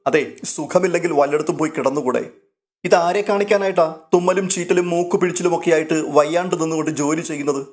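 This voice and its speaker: A man's voice: fairly high pitch, fast talker, a little mellow, close to an everyday voice. A man reading out a stern, bossy woman of the household, voicing her in a curt, scolding way.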